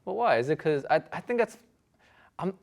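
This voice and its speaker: A man's voice: fairly high pitch, very animated, moderate pace, gravelly. A young man in his twenties whose first language is Urdu, persistently questioning the host in a debate. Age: 20s. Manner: persistent questioning, repeats and restarts. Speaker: guest. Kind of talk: heated debate.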